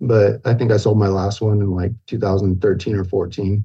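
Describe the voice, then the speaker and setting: This man has an American accent and a fairly low pitch, speaking at a fairly slow pace. It is an ordinary speaking voice. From Southern California. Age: 40s. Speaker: gecko breeder. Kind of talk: casual interview.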